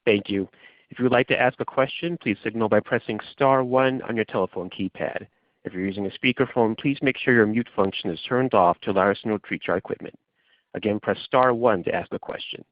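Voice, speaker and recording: A male operator delivers scripted conference announcements. His voice sits a bit low, and the audio is very dry and slightly dull, like a call line. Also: brisk, no echo.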